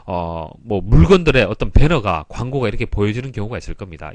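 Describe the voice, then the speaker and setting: Male lecturer with a lively, varied pitch. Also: no room sound. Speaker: exam prep lecturer. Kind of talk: explanatory lecture, reading and solving exam questions.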